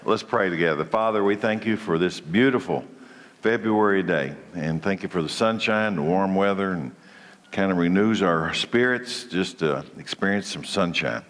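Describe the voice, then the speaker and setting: A man's voice: low-pitched, normal speed, a bit bright, in a large hall. A congested man leading a church Bible study, preaching in a conversational way that often restarts his phrases. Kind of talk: church teaching session.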